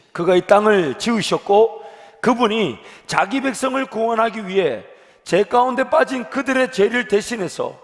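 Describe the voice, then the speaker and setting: A man pastor preaching an earnest sermon in a church sanctuary, slowing down to stress key words. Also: very high voice, fairly bright tone. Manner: earnest preaching, rising with emphasis. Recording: long hall reverb.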